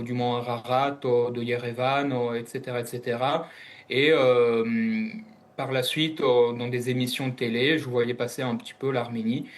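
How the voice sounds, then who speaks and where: Man from italy, interview guest, hesitant, lots of fillers, mid pitch. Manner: hesitant, many fillers and restarts. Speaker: guest analyst. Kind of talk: interview answers.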